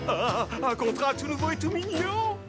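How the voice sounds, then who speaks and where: Pompous cartoon magician showman, super high n swoopy voice, grandiose as hell, music behind. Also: very animated, normal speed. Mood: vain, dramatic. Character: flamboyant, vain male magician and reality-show host. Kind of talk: animated cartoon voice acting in French.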